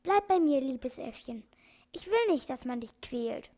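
A kind old animal doctor from a children's storybook, gentle but firm when he speaks, as a woman narrator puts him on. The voice sits high and gets raised and loud when he stands his ground. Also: lively intonation, measured pace.

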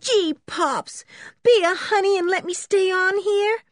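A woman voicing a spoiled young American girl who pleads in a high, drawn-out voice. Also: dry recording, studio quality. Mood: pleading.

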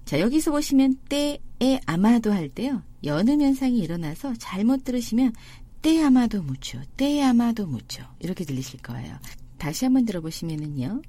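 Husky lively teacher woman. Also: a little high. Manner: clear explanatory, slows to spell out example sentences. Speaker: Spanish teacher. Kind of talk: language lesson narration.

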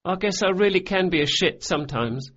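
Man putting on a high, loud young boy, eager and apologetic, quick and stumbling; storybook reading, slightly dull recording. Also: lively intonation. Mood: earnest. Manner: quick, earnest, stumbling speech.

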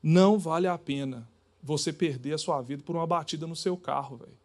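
Casting note: male preacher, high voice, animated sermon delivery. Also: brisk. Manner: animated, acts out dialogues.

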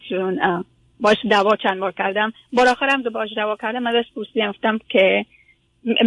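Female caller, mid pitch, dry sound, halting speech. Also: creaky, a bit bright, dry recording, low-quality recording. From Afghanistan. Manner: hesitant, many fillers, mixes in English words.

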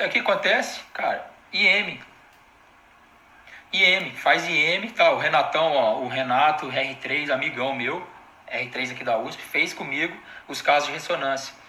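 Animated Brazilian man teaching on a live stream. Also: fairly high pitch, roomy sound, slight background noise, low-quality recording. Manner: informal and animated, full of slang and quick asides to the audience. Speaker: anesthesiologist giving a live online lecture.

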